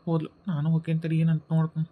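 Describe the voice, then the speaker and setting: A woman's voice: deep voice, completely flat delivery, rapid-fire, narrow, tinny audio. A woman with a North Karnataka Kannada accent, voicing a sly, grumbling female ghost in a cartoon. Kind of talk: cartoon voice acting.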